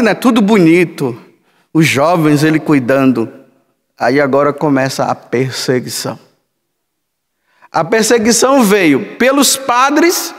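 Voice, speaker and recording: A man in his sixties, a priest giving a storytelling homily in a large church sanctuary on a headset mic, gesturing broadly as he speaks. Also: high-pitched. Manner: slow, storytelling, sweeping hand gestures. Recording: long hall reverb.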